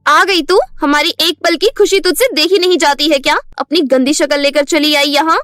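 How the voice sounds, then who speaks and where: A woman's voice: sits high, fairly even intonation, moderate pace, a bit bright, dry recording, clean studio sound. A woman voicing a spoiled, cruel young stepsister who snaps with scorn in a storybook tale. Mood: angry, scornful. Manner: scornful, snapping. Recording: music behind the voice.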